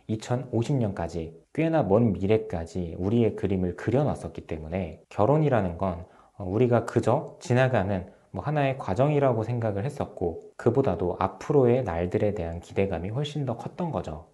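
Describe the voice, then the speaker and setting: A man in his thirties, a relationship counselor, calmly giving advice to his viewers, with frequent filler sounds between phrases. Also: fairly low pitch. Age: 30s. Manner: calm, steady explaining with frequent "uh" fillers. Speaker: relationship counselor and channel host. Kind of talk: advice talk to camera.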